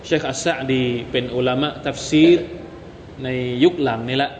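A man giving a Quran commentary lecture, animated and emphatic, addressing listeners as brothers. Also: medium pitch, normal speed, in a large hall, slight background noise. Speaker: Islamic teacher.

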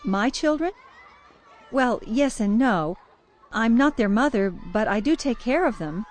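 An actress playing a friendly, chatty child care worker who answers a reporter's questions. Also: female voice, on the high side, animated, measured pace. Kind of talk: scripted interview answers.

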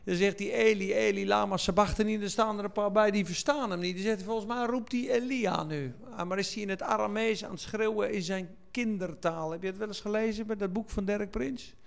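A man preaching a sermon, slow and emphatic, at times crying out or singing lines. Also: high-pitched, fairly even intonation, creaky, clear, resonant tone. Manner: slow, emphatic delivery, swelling to shouts and sung lines.

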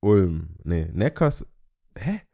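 A man's voice: low-pitched, sing-song, slow pace, vocal fry, mellow. A young man co-hosting a podcast in casual chat, playful and dropping English slang into his talk. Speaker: podcast co-host.

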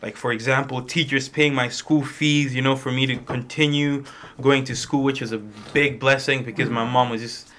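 Young male student, bright tone, informal storytelling to a small group. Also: medium pitch, fairly even intonation, normal speed. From Malawi. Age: young adult. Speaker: international student speaker. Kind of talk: personal testimony to a small group.

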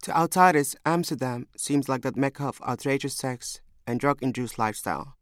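A young man from Somalia narrates his memoir. His voice sits at a middle pitch, and his delivery is measured and reflective. The sound is dry, with little room around it. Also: no room sound. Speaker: storyteller. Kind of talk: scripted first-person memoir narration.

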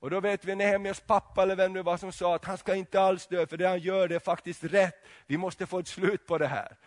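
A man preaching a sermon, halting with many restarts and asking rhetorical questions. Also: sits high, level tone.

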